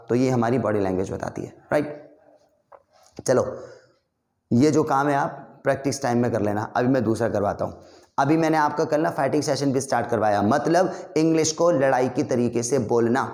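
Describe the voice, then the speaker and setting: A man teaching spoken English, coaching his viewers in an energetic, friendly classroom style. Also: mid-range voice, reverberant.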